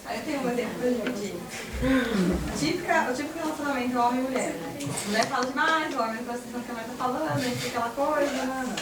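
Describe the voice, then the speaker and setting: Fast, chatty Brazilian woman. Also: high-pitched. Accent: Brazilian Portuguese. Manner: chatty, casual anecdote. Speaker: audience member sharing an example. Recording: echoey room from far off, noisy.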